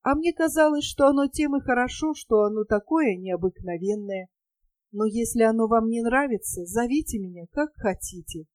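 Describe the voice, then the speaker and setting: A woman's voice: a little high, lively intonation, normal speed, darkish tone, no room sound, lightly acted. A woman voicing an adoring, naive young female gypsy dancer in an audiobook, with a pleading, girlish, breathless manner.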